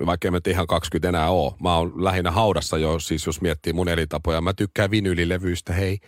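A man's voice: low-pitched, level tone, dry recording, clean studio sound. A man hosting a morning radio show, chatting casually and joking about himself. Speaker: radio host.

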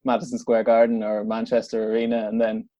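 A man hosting a sports interview, asking measured, conversational questions. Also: on the low side, monotone, warm tone, highs cut off. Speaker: radio host.

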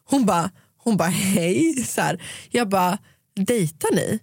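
A woman's voice: mid-range voice, husky, dry recording. Dry-voiced young woman telling a story. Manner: lively retelling full of quoted dialogue, slipping English phrases into Swedish. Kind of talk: casual storytelling chat.

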